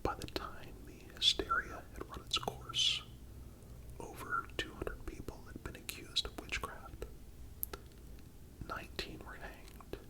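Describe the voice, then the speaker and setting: A man narrates in an ASMR style, entirely in a whisper. His delivery is slow and deliberate, with a calm, measured manner throughout. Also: rough recording.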